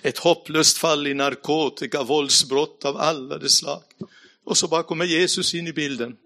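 A man preaching a sermon, telling a personal testimony and speaking to the congregation directly, dropping to a hush at tense moments and laughing lightly now and then. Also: a little high, fairly even intonation. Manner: storytelling, addresses the audience directly; speaks in a hushed voice at dramatic moments.

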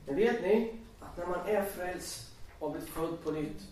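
A man's voice: sits high, darkish tone, a little hiss or hum. A man preaching a sermon, telling a story and reciting scripture with rising emphasis. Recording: echoey hall, distant from mic.

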